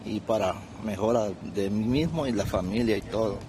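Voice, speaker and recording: Halting, lowish-voiced Honduran man. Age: 40s. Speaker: migrant being interviewed. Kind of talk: informal spoken testimony. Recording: noisy outdoor street with traffic.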